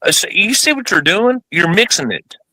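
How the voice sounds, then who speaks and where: A man's voice: sits high, big pitch swings, moderate pace, bright, forceful tone, no room sound. A man arguing on a live show, exasperated and dismissive, firing back short retorts. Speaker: show participant arguing with a caller. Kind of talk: heated live debate.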